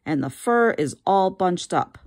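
A grown mama bear from a storybook growls and huffs in a low voice, as a woman reader plays her. She sounds cross and put out. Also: expressive, unhurried, a little mellow, no room sound, studio quality. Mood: huffy. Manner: growling, huffing.

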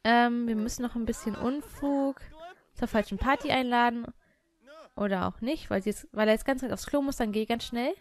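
A young woman doing casual gameplay commentary, chatting and bossing her game characters around with quick exclamations. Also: on the high side. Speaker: let's player.

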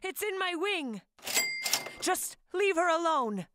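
Woman as a high-voiced, bossy griffin leader. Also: sing-song, slow pace, background noise, exaggerated voice. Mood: tense. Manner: scolding, curt, no-nonsense. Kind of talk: amateur animated comic dub acting. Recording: music behind the voice. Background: music.

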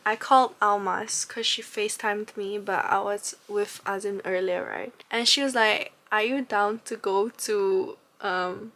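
A woman's voice: medium pitch, steady tone, a little slow, few pauses, fairly bright tone. A young woman from Malaysia chatting casually and giggling as she vlogs with a handheld camera. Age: young adult. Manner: giggly, chatty, often whispers at night. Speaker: vlogger. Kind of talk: casual vlog chat. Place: outdoors in snow and campus halls. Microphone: handheld camera at arm's length. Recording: noisy outdoor camera audio.

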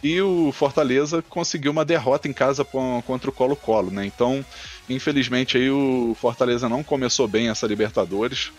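A man's voice: mid-range voice, steady tone, soft background music. A Brazilian man with a Brazilian Portuguese accent giving casual football betting tips, peppering his speech with filler tags. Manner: casual, fast, fills with "né" and "aí". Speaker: football tipster. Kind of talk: screen-recorded betting tips commentary.

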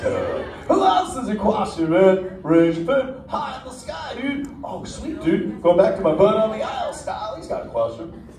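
A man's voice: sits high, wildly swooping pitch, normal speed, crowd noise, heavily acted. Crush, a man doing a surfer-dude sea turtle. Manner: surfer-dude drawl, says dude and man constantly. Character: laid-back male surfer sea turtle, 150 years old. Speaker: live show performer talking with an audience. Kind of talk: live interactive theme show. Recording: roomy, distant mic, ambient noise.

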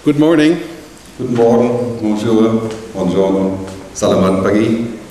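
A middle-aged man giving a lively conference keynote, joking as he gestures on stage. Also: lowish voice, a little slow, noisy background. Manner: animated, gesturing, joking asides. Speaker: keynote speaker. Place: large conference hall. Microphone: headset mic. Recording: echoey hall, voice from far off.

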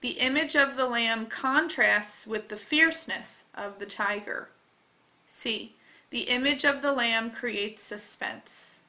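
A woman with a very bright, fairly high voice reads test questions aloud like a teacher. She goes slowly and deliberately, pronouncing each phrase with care.

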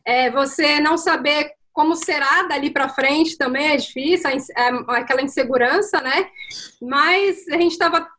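High-voiced woman reflecting on a video call. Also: pushed and bright. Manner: reflective, storytelling with many pauses and fillers. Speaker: guest, former nurse. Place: small home room. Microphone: laptop webcam on video call.

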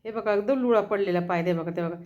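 A middle-aged woman with a Marathi accent, a vlogger who calls to her pets in a high sing-song voice and chats about them in a casual way. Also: fast, darkish tone, echoey room, highs cut off. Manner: coaxing pets in a high sing-song voice, then telling a story in a low voice. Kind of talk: casual chat.

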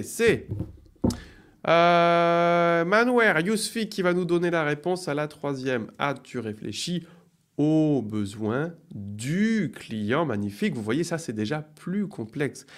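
A middle-aged man teaching a live online grammar lesson, reading example sentences slowly and cheering students on with upbeat praise. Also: medium pitch. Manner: slow, deliberate, drawn-out delivery of example sentences; upbeat praise, playful sound effects. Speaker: French teacher.

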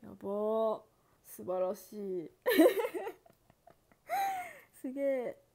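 Giggly high-voiced young woman streaming. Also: huge pitch swings, extremely slow, darkish tone. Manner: giggly, bubbly, laughs often. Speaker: idol livestream host. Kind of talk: casual livestream chat reading viewer comments.

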